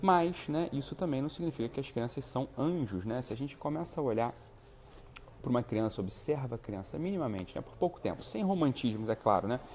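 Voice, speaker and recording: A soft-spoken man talks at a fairly quick pace with lively intonation. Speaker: psychiatrist and family advice host. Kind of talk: live stream talk. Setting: restaurant, live stream.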